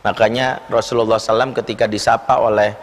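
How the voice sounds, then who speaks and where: A lowish-voiced man preaches at a slightly fast clip in a big mosque hall that rings with reverb, with a little hiss or hum in the audio. His sermon is built around stories that he tells vividly, performing the quoted voices.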